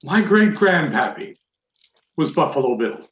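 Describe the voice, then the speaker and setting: A man telling a mock-serious tall tale as a theatrical storytelling speech, with dramatic pauses and deliberate phrasing. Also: a little high, big pitch swings, fairly bright tone. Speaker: Toastmasters contest speaker telling a tall tale. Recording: echoey room, dull muffled audio.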